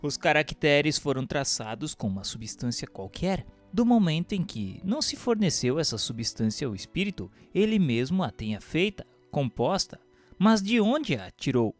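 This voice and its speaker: Man reading expressively over soft music. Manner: measured, formal reading with lively pitch swings. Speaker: narrator. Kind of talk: scripted reading of a spiritist book. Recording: reading with faint music underneath.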